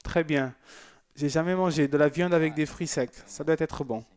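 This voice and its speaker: A man's voice: fairly high pitch, normal speed, a little mellow, smooth. A man presenting a church TV program, reading out viewer messages in a chatty, joking way with loose asides. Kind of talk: casual broadcast chat reading viewer messages.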